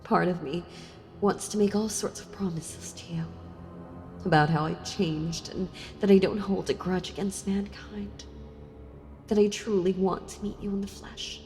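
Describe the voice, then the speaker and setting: A woman playing a sealed-away female villain in an audio role-play, speaking to the listener tenderly, intimately and with hesitant pauses. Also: mid-range voice, steady tone, darkish tone, natural voice. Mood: hurt, resigned. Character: sealed-away female villain, wistful, softly seductive and enthralled. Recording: long reverb with music behind. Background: music.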